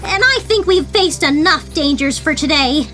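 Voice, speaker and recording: Woman as a very high, bright young monkey girl. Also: expressive, moderate pace, faint music behind. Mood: helpful, cautioning. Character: young female monkey tour guide, upbeat, sensible. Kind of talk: fan audio drama acting.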